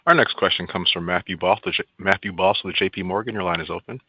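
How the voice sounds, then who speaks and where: A man's voice: sits low, quick pace, breathy edge, no room sound. A man acting as conference call operator, making scripted announcements on a dull line. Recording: dull, dry call audio.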